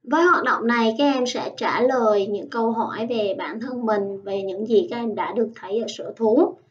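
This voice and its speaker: A woman teaching English in an online lesson, patiently explaining and modelling phrases slowly. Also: a little high. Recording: dull, slightly distant lo-fi sound.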